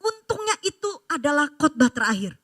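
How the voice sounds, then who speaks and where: A woman pastor, preaching a sermon in a church service with animated storytelling and emphatic exhortation. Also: sits high, fairly quick, no echo, clean studio sound.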